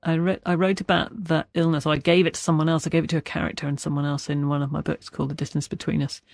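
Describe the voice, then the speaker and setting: A middle-aged writer from Wales speaks as an interview guest, his delivery halting with a stammer and frequent restarts. His voice sits a little high for a man and has a gravelly fry to it, recorded close and dry. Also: flat delivery, dry recording. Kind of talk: reflective interview talk.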